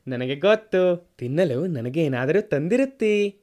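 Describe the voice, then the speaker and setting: A man's voice: fairly high pitch, lively intonation, a little slow, darkish tone. A man voicing an affectionate, teasing divine friend, eager and delighted, in storybook dialogue. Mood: playful, eager.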